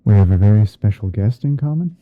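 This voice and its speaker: Guy doing a mellow tv painting teacher asmr stream, low murmury voice, kinda halting, tinny lo-fi sound. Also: animated, lightly acted. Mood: gentle, easygoing. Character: gentle male TV painting instructor, soft-spoken and easygoing. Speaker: livestream host. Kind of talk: ASMR roleplay livestream while editing images.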